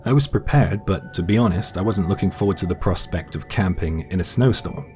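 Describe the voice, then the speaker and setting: A man reading a first-person story in a steady, plain, matter-of-fact way over faint background music. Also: low voice, a little fast. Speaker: guest narrator.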